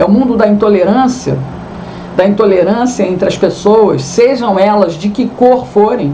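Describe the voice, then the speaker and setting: A woman at a medium pitch with ordinary pitch variation and a fairly slow pace, with audible room echo and noticeable background noise. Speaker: journalist and commentator. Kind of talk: opinion commentary.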